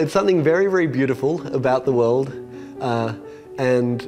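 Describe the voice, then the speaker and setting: Over clear background music, a man speaks at a fairly quick pace. His voice is fairly high, with lively intonation. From New South Wales, Australia. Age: 30s. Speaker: mathematics professor. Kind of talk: TV interview answer. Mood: enthusiastic, smiling, laughing. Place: classroom. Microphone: lapel.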